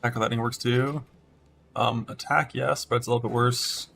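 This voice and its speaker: A man's voice: medium pitch, steady tone, fairly quick, gravelly, a bit bright, a little hiss or hum. A man streaming a game, casually talking through build choices in a rambling way. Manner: rambling, many fillers and restarts. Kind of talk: casual gameplay commentary.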